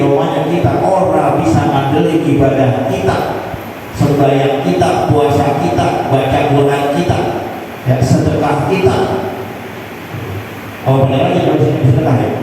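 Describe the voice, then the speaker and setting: Echoey far-off preacher in a mosque hall. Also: male voice, fairly high pitch, background noise. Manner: casual, colloquial preaching with rhetorical questions; chants Arabic verses. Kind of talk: mosque study sermon.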